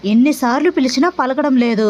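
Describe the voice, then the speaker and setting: A woman's voice: high voice, a little fast, a little mellow, dull audio. A woman voicing a playful wife who teases her husband with innocent, sing-song questions. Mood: innocently teasing.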